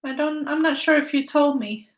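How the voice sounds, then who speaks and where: A woman's voice: high voice, moderate pace. A woman, teaching a casual live painting class, thinking aloud in short phrases as she works and chatting with viewers. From Finland. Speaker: art teacher.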